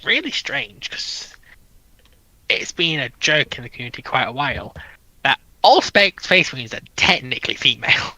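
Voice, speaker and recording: A man with a very bright, sharp voice, recorded dry and close. He explains slowly and haltingly in a casual, amused manner. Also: a little high, very animated, no room sound, poor audio.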